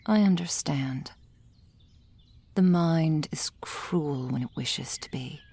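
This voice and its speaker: A woman voicing a gentle female soul healer in an ASMR roleplay, whispering softly and soothingly into a close microphone. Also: sits low, heavily acted. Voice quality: breathy whisper. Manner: soft whispering, slow and soothing. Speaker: ASMR performer.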